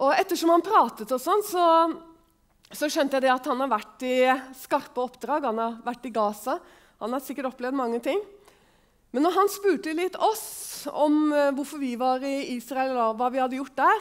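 Against a quiet background, a woman with a high pitch talks at a moderate pace. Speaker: preacher. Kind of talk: sermon. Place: hall. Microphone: headset.

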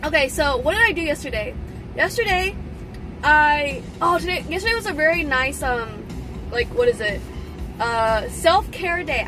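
A woman's raised, projected voice at a moderate pace, with clear music in the background. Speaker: streamer. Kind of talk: casual stream chat. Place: car. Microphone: phone near.

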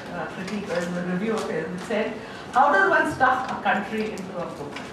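A woman speaks with lively intonation. Strong room echo and noticeable background noise surround her voice. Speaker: event organizer. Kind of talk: formal introduction. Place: hall.

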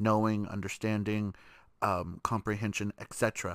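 This man speaks with an American accent. His pitch is fairly low. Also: very clean recording, silent background. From Texas. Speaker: podcaster. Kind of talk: casual monologue. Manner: animated.

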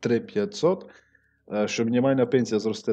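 A man speaks with a Transcarpathian accent while music plays in the background. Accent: Transcarpathian Ukrainian. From Zakarpattia, Ukraine. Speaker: gaming YouTuber. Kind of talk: game commentary.

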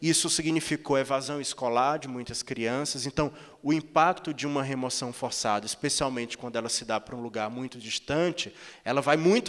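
A man with a northeastern Brazilian accent and ordinary pitch variation, over a quiet background. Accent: northeastern Brazilian (Ceará). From Brazil, Ceará (Fortaleza); Ceará, Brazil. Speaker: urban law researcher; speaker. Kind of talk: panel talk. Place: hall. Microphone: handheld.

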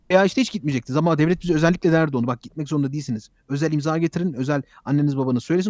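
A man talks at a very fast pace in an animated tone, the sound dry and close with no echo. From Germany. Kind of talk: heated debate.

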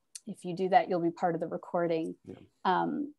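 Over a quiet background, a woman speaks at a moderate pace in a fairly low pitch. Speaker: library host and DH center director; workshop host. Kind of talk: workshop introduction and Q&A moderating. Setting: video call. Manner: formal, hesitant with fillers. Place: home room. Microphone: earbuds.

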